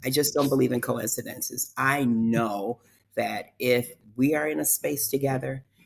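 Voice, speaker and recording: With vocal fry and a very deep, low pitch, this woman talks at a moderate pace using ordinary pitch variation. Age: 70s. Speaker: pastor. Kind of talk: casual interview chat.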